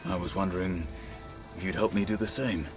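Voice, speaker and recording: A stern tribal warrior with one arm, played by a man, speaking in a low, grave voice. His words are formal and measured, a video game cutscene with faint music underneath. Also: fairly even intonation, close to an everyday voice. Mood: earnest.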